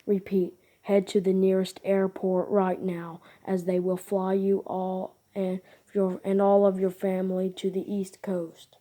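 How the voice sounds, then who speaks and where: Flat, slow, mellow-voiced woman reading emergency alerts. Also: medium pitch. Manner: formal, deliberate, monotone. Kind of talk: scripted emergency broadcast announcement.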